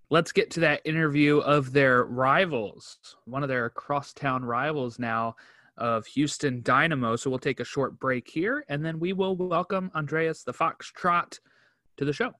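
Male podcast co-host, bright forward voice, dry close sound, upbeat chatty delivery. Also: mid-range voice, fairly even intonation, unhurried, dry recording. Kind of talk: casual sports podcast chat.

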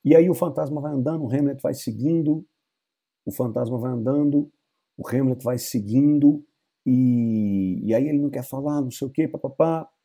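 A man's voice: medium pitch, moderate pace, warm tone. A man with a Brazilian accent teaching English through a story, chatty and explaining word by word with asides. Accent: Brazilian Portuguese. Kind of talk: casual bilingual literature lesson.

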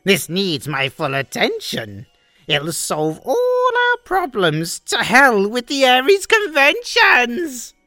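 A woman's voice: on the high side, wildly swooping pitch, takes it slowly, bright, forceful tone, dry recording, studio quality, soft background music, pitched above the performer's own voice, exaggerated voice. A woman voicing a scheming, gloating male villain in a Grinch-like fan story, with a gleeful, sly delivery.

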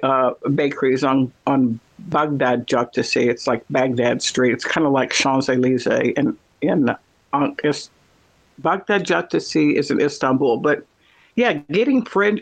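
A man's voice: mid-range voice, measured pace, low-quality recording. A man chatting casually, rambling through stories with many fillers. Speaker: conversation partner. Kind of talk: casual chat.

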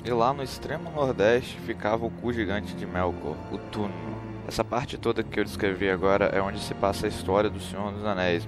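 A man narrating a humorous explainer in a casual, joking, slangy way. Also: deep voice. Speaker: host. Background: background music.

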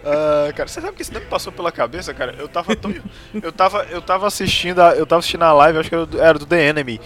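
Casual Brazilian male host, slangy and relaxed, a touch high, light music under. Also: rapid-fire. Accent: Brazilian Portuguese. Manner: laid-back, slangy, asks the others questions. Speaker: podcast host. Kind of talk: casual chat.

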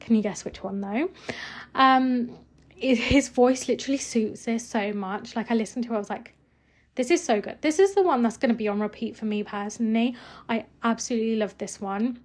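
A woman's voice: a little high, fairly quick. A young woman, reviewing music albums in a casual, chatty way, full of "um" and "like". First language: Punjabi not first language. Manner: chatty, many fillers like "um" and "like".

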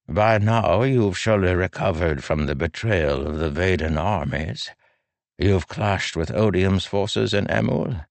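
A man puts on a frail old king, weary and fatalistic, his slow, soft words trailing off in sorrow. The voice is raised above the reader's own very deep register, yet it stays rough and gravelly. It sounds close and dry, as in an audiobook. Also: no echo. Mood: wry. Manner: soft, drawn-out, sorrowful delivery. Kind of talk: audiobook character voice.

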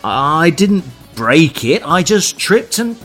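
A man's voice: a little high, big pitch swings, slow pace, fairly bright tone, breathy edge, faint music behind, exaggerated voice. An actor playing an exasperated, bickering king with an incredulous, sarcastic delivery in a comic pantomime. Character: exasperated, bickering King Arthur judging knights. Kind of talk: pantomime audio comedy.

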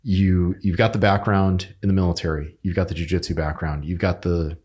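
Male interviewer, deep husky voice, rambling questions. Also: flat delivery, a little fast, darkish tone.

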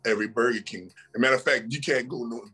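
Male podcast guest, husky tone, sermon-like motivational delivery, faint music under. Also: mid-range voice, quick pace, pushed and bright. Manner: preachy, emphatic, repeats phrases and asks "right?". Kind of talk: casual motivational talk.

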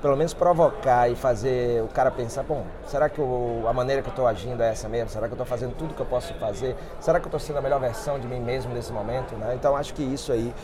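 A man hosts a podcast interview in a loose, chatty way. His voice sits at an average pitch. The crowd of a busy outdoor event is plainly heard behind him. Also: fast talker, few pauses. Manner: chatty, informal, with restarts. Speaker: podcast host. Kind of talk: casual interview.

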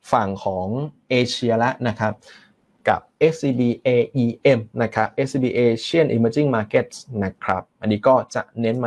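A man presenting investment funds in a measured, explanatory way, with frequent pauses and polite fillers. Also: on the low side, darkish tone. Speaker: fund presenter.

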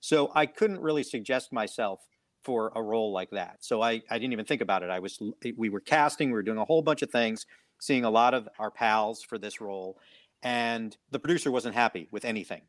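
A man with a low voice and dry, close sound, recounting how a role was cast. He talks in an easy, relaxed way and jokes with the others. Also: fairly quick, dry recording. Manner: relaxed storyteller, jokes easily. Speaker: voice director and actor panelist. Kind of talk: casual panel chat.

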